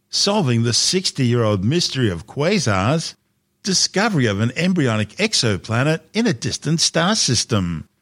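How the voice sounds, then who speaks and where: A man presenting scripted science news with measured, emphatic phrasing. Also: medium pitch, a bit bright, no room sound, studio quality.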